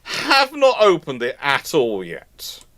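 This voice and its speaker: A man's voice: a little high, wildly swooping pitch, takes it slowly, pushed and bright. Male live-stream host, unscripted and discursive, stop-start delivery, prone to exasperated asides. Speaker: host of a live naval history question stream.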